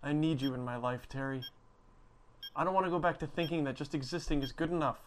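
A man's voice: on the high side, fast talker, background noise, close to an everyday voice. An actor playing a devoted man pleading tenderly at his lover's hospital bedside, stammering as he talks. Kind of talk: TV drama acting.

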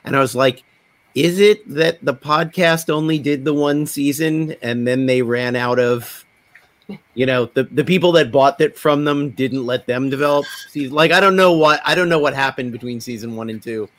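In a dry recording, a male podcast host talks at normal speed with a medium-pitched, fairly bright voice. His casual chat keeps veering off into anecdotes.

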